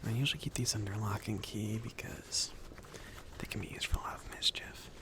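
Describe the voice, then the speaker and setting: A man playing a chill, considerate mage in an ASMR fantasy roleplay, speaking softly in a casual, hesitant, reassuring way. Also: on the low side, steady tone, fairly quick, close to an everyday voice. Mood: calm, instructive. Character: chill, considerate mage sending an apprentice on errands.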